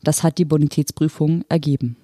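A reader voicing an unfeeling hologram official who speaks in a calm, matter-of-fact, bureaucratic manner. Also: medium pitch, fairly quick, dry recording, studio quality, lightly acted. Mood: detached. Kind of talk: audiobook character voice.

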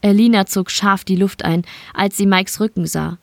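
A woman from Bavaria reads an audiobook in a steady, measured way. Her voice sits at a middle pitch. The recording is close and dry, with no room sound. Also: creaky, dry recording. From Bavaria, Germany. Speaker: audiobook narrator. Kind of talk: scripted narration.

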